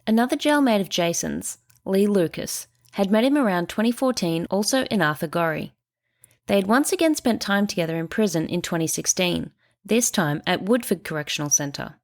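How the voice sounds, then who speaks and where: A woman hosting a true crime podcast, reading a measured scripted narration with a stuffy nose. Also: mid-range voice, expressive. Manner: measured, reasoning aloud through evidence.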